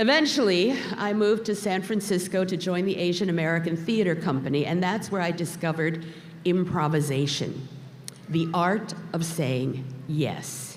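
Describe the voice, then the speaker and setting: A woman's fairly low voice with ordinary pitch variation and very even loudness, amid noticeable background noise and audible room echo. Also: moderate pace. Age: 70s. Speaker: actress and commencement speaker. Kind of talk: commencement speech.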